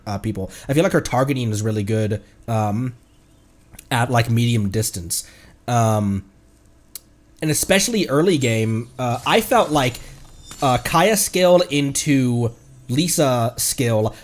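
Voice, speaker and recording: A man giving casual, rambling live game commentary and chatting playfully with viewers. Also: mid-range voice. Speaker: game streamer, VTuber.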